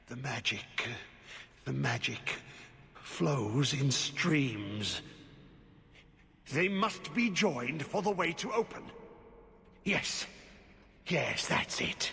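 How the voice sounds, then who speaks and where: A man's put-on character voice, fairly high in pitch with very wide pitch swings, at a very slow pace with long, frequent pauses. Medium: video game. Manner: grave, measured.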